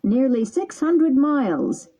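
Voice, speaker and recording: A woman voicing a large, helpful male pigeon who talks in a calm, steady, kindly way. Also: high voice, slow pace, husky, voice pushed up, exaggerated voice. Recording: dull lo-fi recording.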